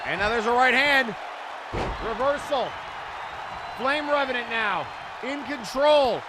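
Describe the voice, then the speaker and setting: A man giving live play-by-play wrestling commentary with excited, exclamatory calls. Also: very high-pitched, slow. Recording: noisy event audio with loud crowd. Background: crowd and arena noise.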